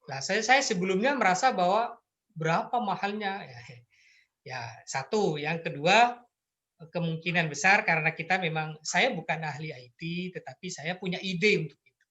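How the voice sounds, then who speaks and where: A middle-aged man from Madura talks about his work as a lecturer. His voice is bright and forward, with an earnest, easygoing manner and a habit of laughing at himself. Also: high-pitched, normal speed. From Madura, Indonesia. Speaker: Arabic lecturer, app creator. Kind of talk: casual conversation.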